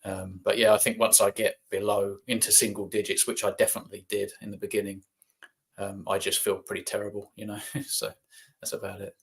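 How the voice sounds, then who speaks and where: Calm flat-voiced man on a call. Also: lowish voice, fairly quick, husky. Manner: calm, even, hedging. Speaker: panelist on health Q&A. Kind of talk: live Q&A chat.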